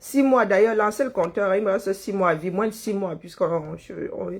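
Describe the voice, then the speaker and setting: Livestream host, husky, loose rambling chat with viewers. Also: medium pitch, brisk. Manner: rambling, chuckling, stumbling over words. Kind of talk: casual live chat greeting viewers.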